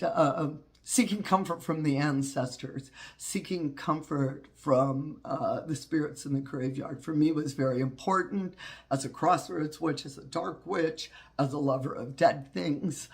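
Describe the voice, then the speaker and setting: A man with a drawl speaks heartfelt and unscripted, leaning on "you know" and "uh" as he works through a hard time. His voice sits a little higher than most men's yet sounds low and stuffy from a cold. He talks about community and spirituality with earnest warmth. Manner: folksy, heartfelt, many fillers and restarts. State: congested. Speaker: witchcraft channel host. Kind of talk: personal reflective talk.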